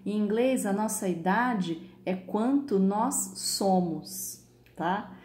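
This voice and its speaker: A woman's voice: medium pitch, takes it slowly, a little mellow. A woman with a Brazilian Portuguese accent teaching a recorded online English class, patient and checking in often with her students. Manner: patient, repeats "tá?" and "tá bom?" to check in. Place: home with computer. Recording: echoey room, faint background noise.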